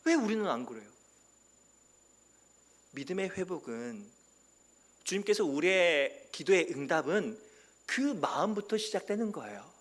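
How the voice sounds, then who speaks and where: A man preaching a sermon as pastor, animated and sometimes shouting. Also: sits high, a little slow, long pauses. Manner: animated, acts out quoted voices and sometimes shouts.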